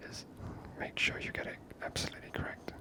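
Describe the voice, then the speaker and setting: A man giving whispered ASMR gameplay commentary close to the microphone, unhurriedly thinking aloud. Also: fast. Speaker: ASMR gaming host.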